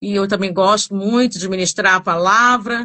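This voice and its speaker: At a moderate tempo comes an unremarkable speaking voice. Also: woman. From Rio de Janeiro, Brazil. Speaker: gospel singer and pastor. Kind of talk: casual chat.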